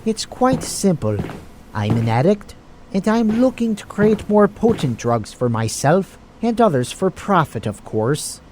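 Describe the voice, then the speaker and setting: A man acts out a villainous doctor for an audio drama. He gloats with smug, theatrical menace, his pitch swooping widely. Noticeable noise and clicks sit behind the voice. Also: very animated, a little slow, a little mellow. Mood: gloating. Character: gloating villainous male doctor, drug addict and schemer. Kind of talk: amateur audio drama acting.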